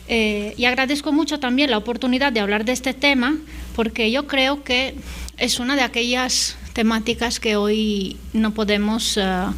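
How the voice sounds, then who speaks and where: A woman's voice: a little high, fairly bright tone. A middle-aged woman whose first language is Italian, giving an invited conference talk in a hesitant way, full of fillers and tag questions. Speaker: invited lecturer.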